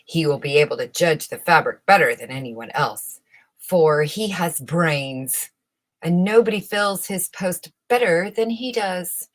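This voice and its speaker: A woman reading a fairy tale as a vain male emperor, deliberate and pompous. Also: fairly low pitch, expressive. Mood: self-assured. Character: vain, uneasy emperor, a man confiding in himself.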